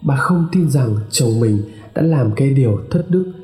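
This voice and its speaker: Male horror storyteller, mellow dark tone, echoey room with long reverb and faint music. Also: mid-range voice, animated, moderate pace. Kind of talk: scripted horror narration.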